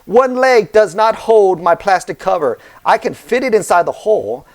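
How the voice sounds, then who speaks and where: A man's voice: sits high, lively intonation, moderate pace. A man hosting a casual car repair vlog, chatty and often checking in with listeners by asking "okay?" and "right?". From United States, Southern California. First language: Vietnamese heritage speaker, fluent in English. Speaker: car repair channel host. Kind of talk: casual how-to vlog talk.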